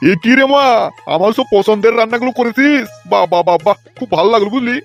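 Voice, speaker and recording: A man's voice: very high voice, quick pace, faint music behind. A man voicing a gluttonous, self-satisfied old grandfather in a comedy cartoon. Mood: greedy, gloating.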